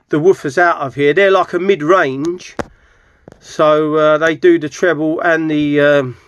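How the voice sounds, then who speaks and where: Higher-voiced British man, informal workshop walkthrough. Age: middle-aged. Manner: informal, rambling, self-correcting. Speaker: furniture restorer presenting his project. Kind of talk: casual hands-on video walkthrough. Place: cluttered indoor wooden workshop. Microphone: handheld camera mic, speaker behind camera.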